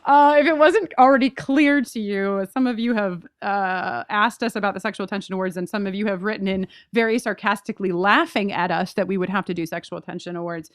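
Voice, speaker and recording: A woman co-hosting a podcast in casual, reflective chat, with an earnest, halting, informal way of talking. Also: medium pitch, smooth, no echo, studio quality. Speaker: podcast co-host.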